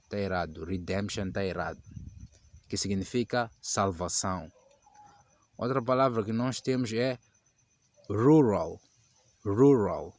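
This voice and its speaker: A man teaching English pronunciation to Portuguese speakers, slowly repeating each example word several times. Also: on the low side, dry recording. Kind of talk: pronunciation lesson.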